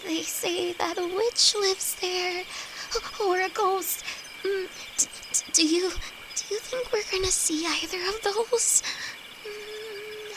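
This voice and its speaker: A woman's voice: very high-pitched, steady tone, slow, noisy background, exaggerated voice. A woman playing a timid young apprentice alchemist in an intimate audio roleplay, with nervous, hesitant, stammering delivery and frequent sighs. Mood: scared. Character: timid young female apprentice alchemist, easily frightened, sweet best friend. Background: crickets and night forest sounds.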